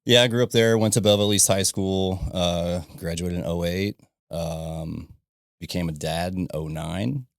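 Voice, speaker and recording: A man in his thirties with a low, gravelly voice, talking easily on a podcast and often tossing in "you know what I mean". His voice sounds close and dry, with no room echo, as if recorded in a small studio. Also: fairly even intonation, moderate pace. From southern Illinois, USA. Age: 30s. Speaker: podcast guest, ironworker and business owner. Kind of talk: casual conversation.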